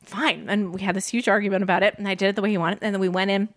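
A woman's voice: mid-range voice, level tone, rapid-fire. A woman, a comedian, chatting as a podcast guest, laughing often and telling stories with acted-out quotes. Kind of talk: casual chat.

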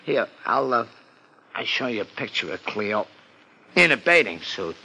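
An actor playing an anxious, weepy, lowbrow New York florist in a 1950s radio drama, talking in slangy, ungrammatical street talk. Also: male voice, big pitch swings, unhurried, vocal fry, sharp tone, slightly rough, exaggerated voice, low-quality recording. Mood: earnest, slangy. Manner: slangy tough-guy street talk with mangled grammar.

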